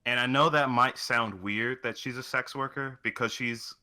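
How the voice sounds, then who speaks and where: A man's voice: medium pitch, fairly even intonation, normal speed, pushed and bright. A man talking casually about video games as a co-host, rambling along and swearing freely. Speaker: podcast co-host.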